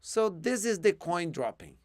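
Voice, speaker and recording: A man's voice: high-pitched, sing-song, measured pace, noisy background. A man teaching English in a live one-to-one online lesson, explaining words patiently with many fillers and restarts, his voice tiring. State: losing his voice.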